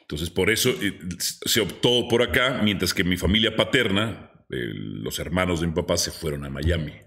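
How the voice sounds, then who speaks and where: A man in his forties with a Mexico City accent, a sports commentator guest talking animatedly at a desk mic in a small studio. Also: moderate pace. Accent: Mexico City Spanish. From born in Guatemala, raised in Mexico City. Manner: animated, booming exclamations. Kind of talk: casual interview chat.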